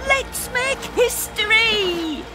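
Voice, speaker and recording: Woman playing a bossy high-voiced old crew leader. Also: expressive, extremely slow, loud music behind the voice, heavily acted. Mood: rousing. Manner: rallying, commanding. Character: bossy, competitive elderly female crew leader. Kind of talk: animated comedy character acting.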